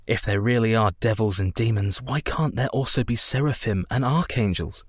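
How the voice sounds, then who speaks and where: An actor playing an earnest, tender young husband in a radio play. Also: male voice, lowish voice, moderate pace, a bit bright, no room sound, clean studio sound. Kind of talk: community radio play acting.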